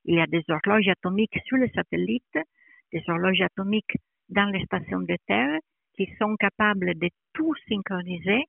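Non-native French speaker, creaky woman's voice. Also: medium pitch, dry recording, phone-quality sound. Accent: foreign accent in French. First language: not French. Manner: halting, searching for words. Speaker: interviewed metrology department director. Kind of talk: explanatory interview answers.

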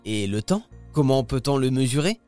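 A woman's voice: a bass voice, animated, normal speed, mellow, dry recording, soft background music. A woman hosting a radio science programme, moving between scripted narration and interview questions.

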